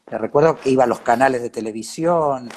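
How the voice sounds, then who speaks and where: A man with an Argentine accent from Córdoba interviews in a conversational way, halting and repeating phrases as he searches for words. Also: medium pitch, darkish tone, slight background noise.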